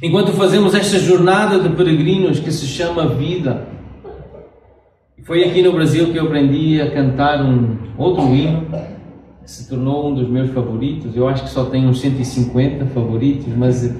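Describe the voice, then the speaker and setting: A middle-aged man from Portugal with a European Portuguese accent, preaching a sermon with slow, emphatic pauses. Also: fairly high pitch, darkish tone. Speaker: pastor. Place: church sanctuary. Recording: very echoey church, distant mic.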